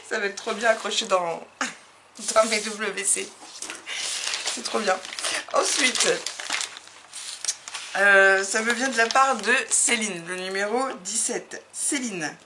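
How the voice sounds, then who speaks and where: A woman from France chatting casually as she opens fan mail for her craft videos, laughing often and gushing with enthusiasm. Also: mid-range voice. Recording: audible background noise.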